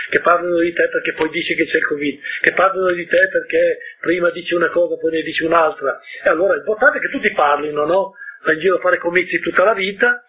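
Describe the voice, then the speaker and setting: A man preacher giving sermon-like commentary on a book, rhetorical and often asking "no?", with a very husky voice. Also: fairly high pitch, muffled recording.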